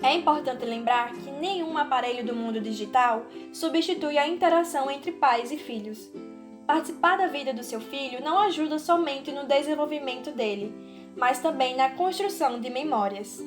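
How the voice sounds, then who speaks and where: Female co-presenter, Brazilian, high-pitched, reading from a script with music underneath. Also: moderate pace. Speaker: podcast co-presenter. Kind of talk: scripted narration. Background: background music.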